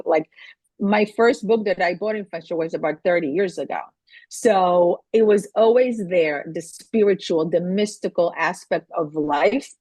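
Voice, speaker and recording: A woman's voice: fairly low pitch, a little mellow, no room sound. Earnest Israeli-born woman, middle-aged. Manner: earnest, with frequent restarts and non-native phrasing. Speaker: guest, astrology and feng shui consultant. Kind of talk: interview answers.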